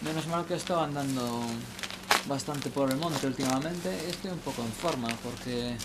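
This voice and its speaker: A young man, a vlogger, talks at a moderate pace in a medium-pitched voice, offering casual advice that rambles and keeps restarting hesitantly. The setting is outdoors at night under a station shelter, with noisy audio.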